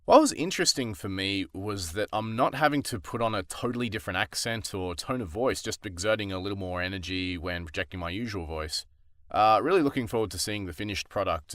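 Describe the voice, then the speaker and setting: A man's voice: on the low side, a bit bright, no echo, clean studio sound. A man giving an informal, casual update to viewers as a voice actor and host.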